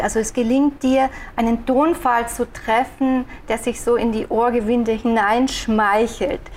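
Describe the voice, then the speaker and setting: A woman from Austria hosting an interview, asking measured, admiring questions of her guest. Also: a little high, slight background noise. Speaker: podcast interviewer.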